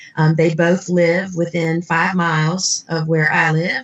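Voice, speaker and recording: Noticeable background noise sits behind this woman. She speaks at a moderate pace with a Southern US accent. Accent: Southern twang. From Virginia, Newport News. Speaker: flower farmer and author. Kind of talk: interview. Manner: conversational with fillers.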